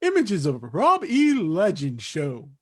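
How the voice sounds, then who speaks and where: A woman's voice: fairly low pitch, wildly swooping pitch, takes it slowly, breathy edge. A woman reading stage directions as scripted narration for a staged reading.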